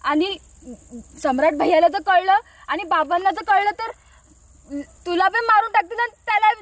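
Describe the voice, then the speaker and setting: An actress playing a sharp-tongued younger sister with a Marathi accent, teasing and scolding. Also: female voice, very high voice, moderate pace, dry recording. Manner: teasing, bossy.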